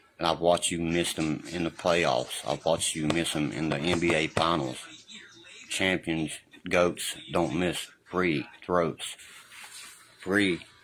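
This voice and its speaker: A man with a very deep, low pitch talks at a very slow pace, with long, frequent pauses, fairly even intonation and noticeable background noise. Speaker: livestreamer. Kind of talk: casual livestream rant. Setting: Facebook live stream. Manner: rambling, profane.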